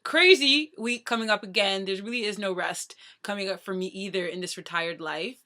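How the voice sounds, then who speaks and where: A woman in her thirties talks straight to her viewers in a loose, chatty vlog. Her voice is bright and forceful. She rattles along at a quick clip with a playful, joking manner. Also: mid-range voice. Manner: talks very fast. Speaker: vlogger. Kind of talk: casual chat to camera.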